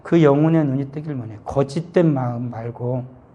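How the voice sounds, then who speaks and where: A man's voice: medium pitch, normal speed, dark tone, slightly rough. A middle-aged man pastor giving a children's sermon, telling a Bible story and asking the children questions.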